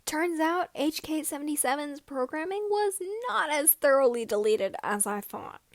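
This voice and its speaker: An earnest young space pilot read by a woman, cheeky and a little bewildered. The voice is fairly high and closely recorded with little room sound, in audiobook style. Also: animated, normal speed, no echo. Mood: wry, cheeky.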